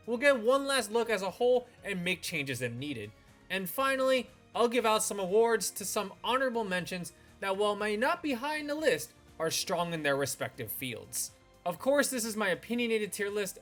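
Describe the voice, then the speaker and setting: A man with a slightly high voice delivers semi-scripted review commentary as a video host. He speaks as a reviewer walking an audience through his opinions, with music playing faintly behind his voice. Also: fairly bright tone.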